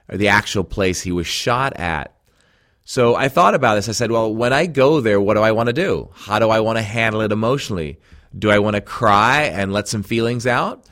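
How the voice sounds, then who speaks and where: A man's voice: on the low side, a bit bright. A man from Jamaica, speaking without an accent, earnestly talking listeners through a recorded self-help program as a coach. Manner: earnest, conversational, addresses listeners as friends.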